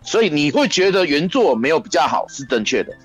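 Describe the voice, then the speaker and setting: A man on a podcast whose voice is a bit husky and rises and falls a lot in pitch. He lays out his argument step by step with many "uh" fillers, and faint music plays behind him. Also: big pitch swings, fairly quick. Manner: explains point by point, with many "uh" and "okay" fillers. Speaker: podcast co-host. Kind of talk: casual chat.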